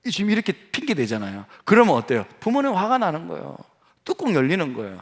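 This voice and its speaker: A middle-aged man, a senior pastor, preaching a lively sermon in a church, teasing the congregation and acting out quoted voices. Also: a little high, quick pace. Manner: animated, playful, acts out quoted voices, asks the congregation questions. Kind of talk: lively sermon with acted asides. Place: church sanctuary.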